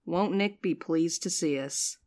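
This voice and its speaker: Woman acting wry sleepless courier, lower-pitched, dry and weary, naturalistic podcast drama. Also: unhurried, darkish tone, close to an everyday voice. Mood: wry, tired. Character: wry, sleep-deprived mail courier, guarded but apologetic. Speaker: lead actor in a fiction podcast.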